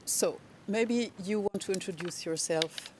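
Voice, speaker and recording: A lawyer for victims in a courtroom, speaking slowly and deliberately while explaining procedure and questioning a witness. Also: mid-range voice, background noise. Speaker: legal representative of victims.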